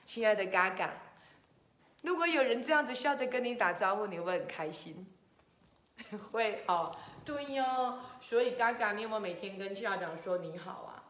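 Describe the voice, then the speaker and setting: Gentle lady reading a kids story, roomy echo. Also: medium pitch, animated, moderate pace, slight background noise. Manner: gentle, playful, with soft laughs. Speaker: children's story podcast host. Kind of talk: bedtime storytelling to a child. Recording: echoey room.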